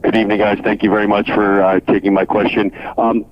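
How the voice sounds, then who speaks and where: A man's voice: on the low side, level tone, fast, dry recording. A man speaking as a financial analyst, politely opening a question to management on an earnings call. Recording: dull, dry telephone conference line.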